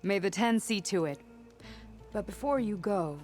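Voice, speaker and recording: A woman's voice: medium pitch, lively intonation, a little slow, darkish tone, soft background music, natural voice. An actress playing a confident, formal tribal woman soldier who leads a squad in a video game. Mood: assured. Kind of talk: video game cutscene acting.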